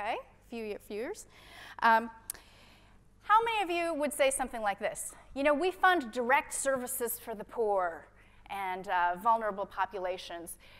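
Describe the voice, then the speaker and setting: The speaker has an American accent and talks at a moderate pace with long, frequent pauses. Pitch swings very widely and loudness shifts a lot. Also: woman, fairly high pitch for a woman. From United States. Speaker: keynote speaker. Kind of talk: keynote presentation. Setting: conference stage with audience.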